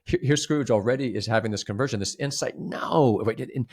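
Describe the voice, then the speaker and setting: A man co-hosting a literary discussion, speaking emphatically and haltingly, often repeating words as he reflects. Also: medium pitch, darkish tone. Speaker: co-host.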